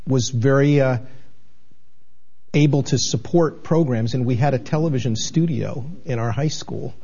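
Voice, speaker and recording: A man's voice: mid-range voice, normal speed, warm tone, husky, highs cut off. A man in his sixties from New England, a television manager answering interview questions in an earnest, rambling way full of restarts. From New England, United States. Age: 60s. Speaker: television station manager, guest. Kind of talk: candid interview conversation.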